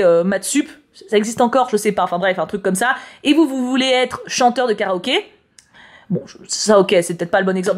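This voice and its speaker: A woman chatting casually as she reads tarot horoscopes, slangy and prone to repeating words. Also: fairly high pitch. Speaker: YouTuber reading tarot horoscopes. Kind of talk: casual chat.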